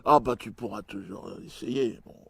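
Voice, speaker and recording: A man's voice: moderate pace, creaky, slightly rough. Crude, mocking stand-up comedian, man. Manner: crude, mocking, with sudden jumps in pitch and loudness.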